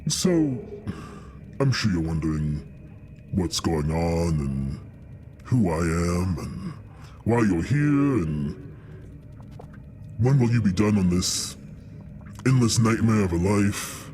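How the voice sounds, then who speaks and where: Man voicing a deep, condescending black dragon. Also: expressive, slow pace, long pauses, darkish tone, a little hiss or hum. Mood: ominous, condescending. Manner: condescending, drawling, bargaining. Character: proud, sly young black dragon, scornful of mortals.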